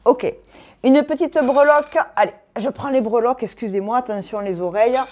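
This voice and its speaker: Speaking a little fast in a somewhat high, darkish voice, a French woman reads tarot and astrology casually, thinking out loud in a chatty way and tagging many lines with "hein".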